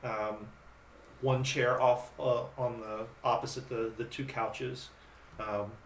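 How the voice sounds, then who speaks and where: Man rambling with halting descriptions. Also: medium pitch, level tone. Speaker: player. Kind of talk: in-character tabletop roleplay. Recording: roomy distant mic with faint hiss.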